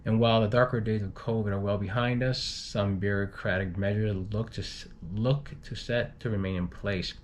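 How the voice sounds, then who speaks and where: A man with a fairly low voice reads news updates informally, adding his own comments. He reads haltingly and often repeats words. The recording is noisy, with some low rumble behind him. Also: steady tone. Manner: halting, stumbles and repeats words while reading. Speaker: news reader for an expat community channel.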